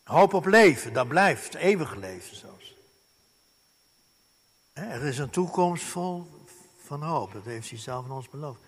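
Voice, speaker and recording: A male pastor preaching a sermon, earnest, with wide swings from loud to hushed and frequent tag questions. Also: medium pitch, sing-song, slow, pauses often, slightly rough.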